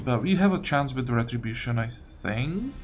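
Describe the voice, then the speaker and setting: A man's voice: medium pitch, expressive, normal speed. A man giving casual gameplay commentary, muttering short reactions to himself as he plays. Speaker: gaming video creator playing and commenting. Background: game music.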